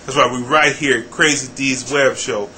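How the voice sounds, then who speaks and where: A man's voice: medium pitch, fairly even intonation, moderate pace, pushed and bright, slight background noise. An American man hosting a web show, chatting casually as he interviews a guest.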